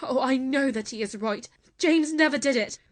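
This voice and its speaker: A man doing a high, pleading young woman. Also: moderate pace. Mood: insistent. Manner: high falsetto, insistent.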